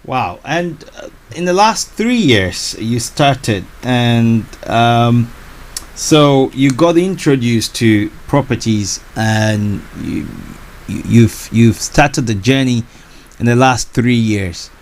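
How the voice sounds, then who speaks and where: A man's voice: mid-range voice, expressive. Enthusiastic male radio host. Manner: enthusiastic, repeats exclamations, halting restarts. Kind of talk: radio interview.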